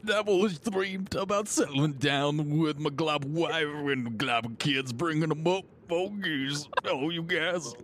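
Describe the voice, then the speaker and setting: A man's voice: a little high, big pitch swings, slow pace, fairly bright tone, voice pushed up, exaggerated voice. A man voicing a sentimental male gelatinous cube monster in a fake, exaggerated accent. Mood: touched, doting.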